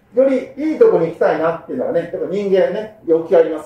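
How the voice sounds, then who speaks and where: A man at a very fast pace. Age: 50s. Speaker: seminar speaker. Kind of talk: lecture. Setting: stage with audience.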